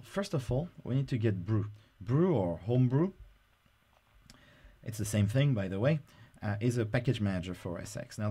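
Low, warm-voiced man explaining. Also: husky. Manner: casual, explanatory, frequent "uh" fillers. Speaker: software tutorial presenter. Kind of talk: screen-recorded software tutorial.

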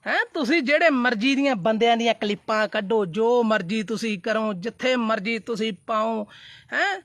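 A social media live streamer rants heatedly to his viewers in a casual live video, calling them brothers, repeating himself, and defiantly waving off threats. His voice is extremely high and fairly bright, delivered at normal speed with no room sound.

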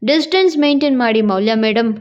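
A woman's voice: on the high side, brisk, darkish tone, highs cut off, voice pushed down, close to an everyday voice. A woman voicing a cold, scornful young husband in a storybook drama, speaking in curt, mocking lines.

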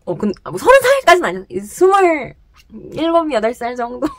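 Lively young woman telling a story. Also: high voice, moderate pace. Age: young adult. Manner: animated, laughs often, gestures while talking. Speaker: vlogger telling a personal story. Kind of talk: casual storytelling chat. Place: small room indoors with wooden wall. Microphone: camera close in front, sitting.

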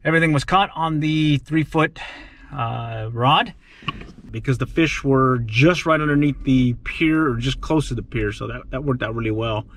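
A man on a park pond pier gives easygoing fishing vlog commentary, laughing a bit while explaining his gear and the fish he's landed. He has a mid-range voice with a fairly bright tone and a moderate pace, recorded by an action camera.

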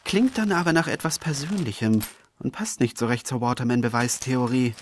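A man's voice: mid-range voice, a little fast, a little hiss or hum, natural voice. An actor playing a wry, easily piqued male newspaper journalist in a German crime audio drama. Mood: curious.

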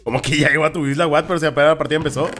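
A man with a Peruvian Spanish accent playing games with a friend, excitable, laughing often and shouting at losses. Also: a little high, rapid-fire, faint music behind. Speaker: gaming channel host. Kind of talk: casual gaming chat with a friend.

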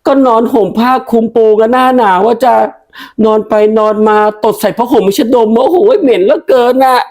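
A woman's voice: a little high, fairly quick, a little mellow. A woman voicing a fed-up young village wife who complains in a whiny, chatty way with sweet-toned endings, in a comedy sketch. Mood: complaining.

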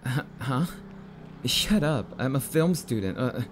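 A jumpy young catboy boyfriend, acted by a man for an ASMR roleplay. He talks slowly at a medium pitch, tripping and stammering over his words, shy and a little bratty but sweet. There is clear noise behind the voice. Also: expressive, natural voice. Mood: startled, flustered. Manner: stammering, halting, hesitant.

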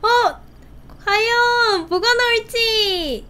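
A young woman hosting a casual game play video, gushing and giggling with excited exclamations. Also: very high voice, slow, background noise. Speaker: game channel host. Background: game music.

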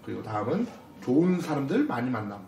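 A man's voice: mid-range voice, sing-song, fast talker, creaky, crowd noise. A man chatting casually as a panelist and announcing answers to the group. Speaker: talk show panelist. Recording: roomy, distant mic, faint noise.

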